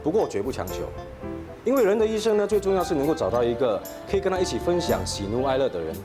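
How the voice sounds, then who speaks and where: A man's voice: medium pitch, sing-song, quick pace, natural voice. An actor playing a sincere, idealistic young man talking about love in a TV drama. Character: earnest romantic young man. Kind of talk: TV drama acting. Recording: dialogue under loud guitar music.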